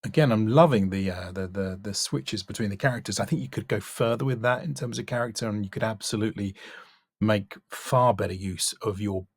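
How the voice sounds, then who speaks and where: A man's voice: lowish voice, brisk, slightly rough, no echo. A man working as a voice-over coach, giving a casual, thoughtful spoken critique and stressing key words. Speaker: voice-over coach reviewing demo reels.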